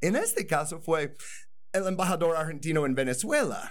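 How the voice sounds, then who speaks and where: Against audible room echo, a man with an English accent speaks at a fairly slow pace in a fairly high pitch. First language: English (speaking Spanish). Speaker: podcast host. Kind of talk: casual history discussion.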